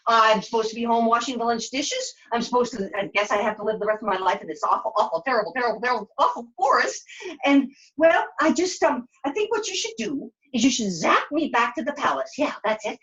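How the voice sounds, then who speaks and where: A woman's voice: on the high side, expressive, a little fast, a bit bright, muffled recording. A woman voicing a dramatic, whiny, naive young servant girl in a puppet show, flustered and repeating herself. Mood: hopeful. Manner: melodramatic, repetitive, flustered.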